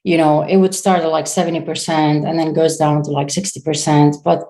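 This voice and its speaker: A woman in her thirties from Syria speaks as a founder in a casual interview. Her voice sits unusually low for a woman. She talks in a halting way, pausing and restarting as she searches for the right words. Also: level tone, dark tone. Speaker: startup founder, guest.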